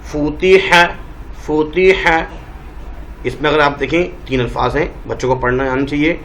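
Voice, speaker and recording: Pakistani guy teaching kids to read, drags out each letter sound, slightly high voice, faint hiss behind. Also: low-quality recording. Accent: Pakistani Urdu. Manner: slow, drawn-out letter-by-letter sounding. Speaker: Quran reading teacher. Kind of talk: spelling-out recitation lesson.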